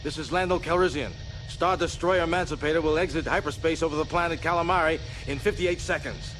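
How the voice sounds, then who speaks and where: Decisive male starship commander played by a man, raised pitch, commanding military delivery over score, sci-fi audio drama. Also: steady tone, fast talker, music in the background, lightly acted. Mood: assured. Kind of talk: science fiction audio drama acting. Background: orchestral score.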